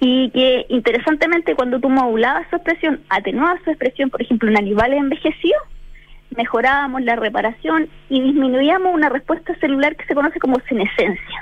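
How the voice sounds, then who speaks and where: A woman speaks at a high pitch and a fairly quick pace. Her intonation is lively, with noticeable background noise behind her. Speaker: biomedical researcher. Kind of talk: interview.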